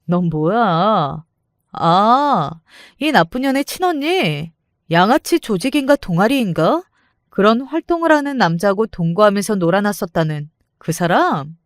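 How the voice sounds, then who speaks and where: A woman's voice: mid-range voice, big pitch swings, unhurried, no room sound, studio quality. A woman voicing a brash, foul-mouthed older sister who taunts and threatens in a dramatized story. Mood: mocking.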